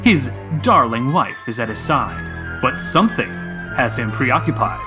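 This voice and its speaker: An actor playing a grandiose, theatrical announcer of a heroic space adventure serial, in old-time radio style. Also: male voice, mid-range voice, very animated, unhurried. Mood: dramatic, suspenseful. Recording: music behind the voice.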